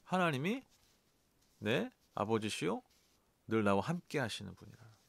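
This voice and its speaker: Gravelly, lively male pastor preaching. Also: mid-range voice, moderate pace, no echo. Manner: lively, conversational preaching with rhetorical questions. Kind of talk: sermon. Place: church.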